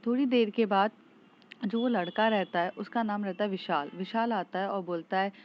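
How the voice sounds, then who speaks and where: A woman's voice: medium pitch, moderate pace, slight background noise. A woman casually retelling a love story in a chatty, loose way with many fillers, in a muffled lo-fi recording.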